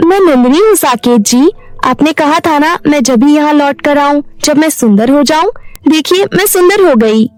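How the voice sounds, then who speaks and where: A woman's voice: high-pitched, lively intonation, normal speed, dry recording, faint music behind. A woman voicing a meek, wronged young wife in a cartoon story, pleading and trusting. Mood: gentle. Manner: pleading, plaintive.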